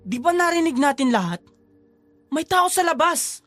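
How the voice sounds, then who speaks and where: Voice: high-pitched, sing-song, normal speed, over music. A performer voicing a level-headed, sceptical teenage student in a spoken horror story. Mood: urgent.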